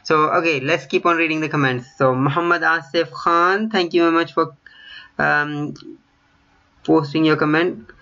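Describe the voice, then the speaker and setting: A man's voice: on the high side, fairly even intonation, normal speed, pushed and bright, highs cut off. A man in his thirties with a mixed Indian and British accent, chatting casually to his channel while reading viewer comments, with lots of ums and restarts. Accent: Indian with British mix. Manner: chatty, many ums and self-corrections. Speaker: tech YouTuber. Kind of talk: casual screen-share vlog reading comments. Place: small room at home, indoors.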